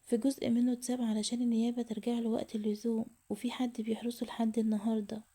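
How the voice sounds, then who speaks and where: A woman doing a calm, confiding female friend. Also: fairly high pitch, rapid-fire. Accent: Egyptian Arabic. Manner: soothing, confiding.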